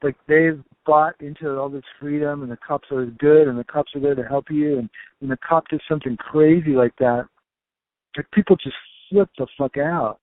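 A man's voice: on the high side, fairly even intonation, moderate pace, dry recording. A man in casual chat, musing loosely and using many fillers. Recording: tinny phone-like line.

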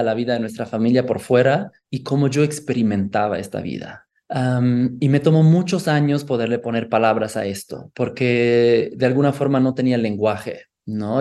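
A man with an Italian accent, a native Italian speaker, talking reflectively as an interview guest, measured and thoughtful. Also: mid-range voice, warm tone. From Italy. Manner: measured and thoughtful, often ending with a questioning "no?". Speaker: guest, somatic therapist.

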